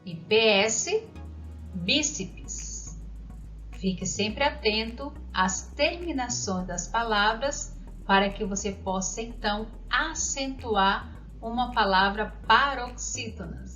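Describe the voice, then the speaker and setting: A woman's voice: a little high, sharp tone. A woman teaching a grammar lesson to children, reading out example words and asking questions. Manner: slow, deliberate, spells out examples and asks questions. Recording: dull lo-fi audio with faint music.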